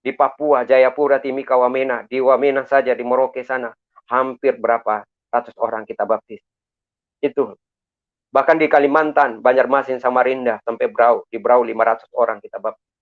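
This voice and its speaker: A man's voice: mid-range voice, fairly even intonation, normal speed. Earnest man giving church testimony, tinny sound. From Makassar, Indonesia. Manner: earnest, preacherly, repeatedly addresses listeners as brothers.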